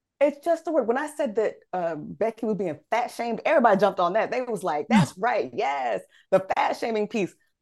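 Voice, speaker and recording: A woman talks at a fairly quick pace with hardly any pauses, showing vocal fry and very wide pitch swings. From Alabama. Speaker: writer and performer. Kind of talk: casual chat.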